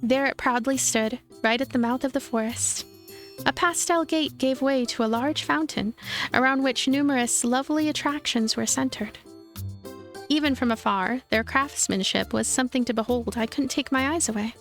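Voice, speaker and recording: High-voiced woman over music. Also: moderate pace. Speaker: let's play streamer. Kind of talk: storybook-like narration of a visual novel with casual asides.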